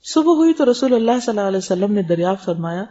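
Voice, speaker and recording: A woman's voice: medium pitch, big pitch swings, warm tone, a little hiss or hum. A woman scholar teaching a religious lesson, explaining each point step by step and mixing in English words. She retells stories with quoted dialogue. The recording sounds somewhat dull and lo-fi. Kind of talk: religious lecture.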